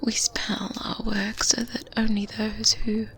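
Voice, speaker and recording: A woman playing a brisk, secretive, faintly condescending good witch in a soft, breathy, whispered ASMR roleplay. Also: mid-range voice, level tone, a little hiss or hum. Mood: condescending, explaining. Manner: slow, deliberate, hushed, commanding.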